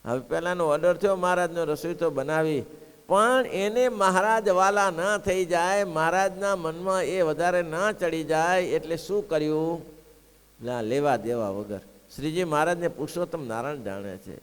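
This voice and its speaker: A man's voice: fairly high pitch, normal speed, smooth. A man giving a devotional sermon. He tells stories, acts out the characters and keeps asking his listeners rhetorical questions. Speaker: preacher. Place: gurukul assembly hall. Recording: long hall reverb.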